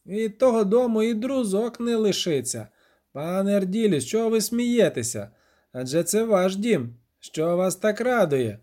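A man's voice: high-pitched, animated, a little slow, mellow, voice pushed up. A man doing a grim, urgent priest. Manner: urgent, commanding.

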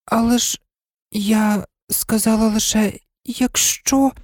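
Woman doing an earnest young girl, timid but argumentative, high lifting voice, storybook. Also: lively intonation, brisk, dark tone, dry recording, studio quality, close to an everyday voice. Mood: plaintive. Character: polite, eager young girl.

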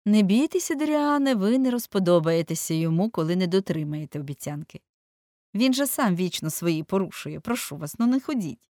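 A woman's voice: on the low side, expressive, brisk, warm tone, no echo, studio quality, pitched above the performer's own voice, natural voice. A woman voicing an earnest, anxious painter who pleads and grumbles, raising her voice above her own. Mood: pleading. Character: anxious earnest male painter, middle-aged.

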